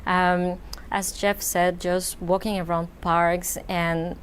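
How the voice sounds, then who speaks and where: A woman's voice: fairly low pitch, flat delivery, takes it slowly, a little hiss or hum. A woman in her thirties from Mexico, speaking as a law alum on a panel in a composed, prepared way. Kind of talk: panel discussion.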